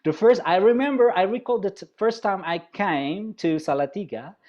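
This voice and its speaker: A man from West Java with an Indonesian accent giving a webinar presentation as a university lecturer. He talks in a chatty, halting way with many restarts and draws listeners in with questions. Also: high voice, darkish tone, highs cut off.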